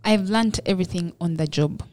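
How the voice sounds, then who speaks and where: Soft-spoken Ugandan woman, low and mellow. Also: a little fast, no room sound. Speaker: guest, makeup entrepreneur. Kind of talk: casual podcast interview.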